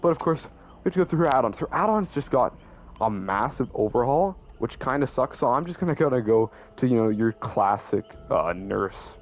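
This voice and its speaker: A young gaming YouTuber with an animated, medium-pitched voice casually walks through his game builds at normal speed. He rambles, stutters and corrects himself as he goes.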